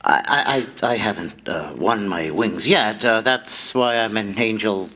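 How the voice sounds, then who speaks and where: A man's voice: on the low side, measured pace, bright, forceful tone, slight background noise. A man playing a kindly, bumbling, cheerful apprentice guardian angel in a radio play, stammering, fussy and polite. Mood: gently earnest. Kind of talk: staged 1940s radio play acting.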